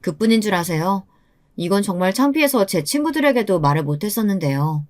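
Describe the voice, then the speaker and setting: A woman in her twenties narrates her own story in a scripted, first-person way. Her voice sits in a middle pitch. She sounds confiding and a little lamenting. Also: animated, brisk, darkish tone. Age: 20s.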